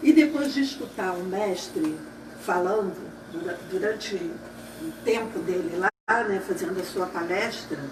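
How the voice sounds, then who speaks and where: In a recording with audible room echo and noticeable background noise, a woman speaks at a fairly slow pace with lively intonation. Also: medium pitch for a woman. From Rio de Janeiro, Brazil. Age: 60s. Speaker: poet and community educator. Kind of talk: interview.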